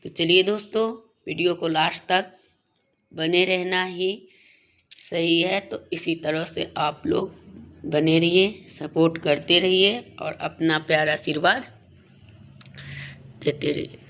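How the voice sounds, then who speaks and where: Slow-talking, low-pitched woman giving devotional advice. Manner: repetitive, halting, addressing viewers as friends. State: slightly hoarse morning throat. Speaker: YouTube channel host. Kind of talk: devotional advice talk to viewers.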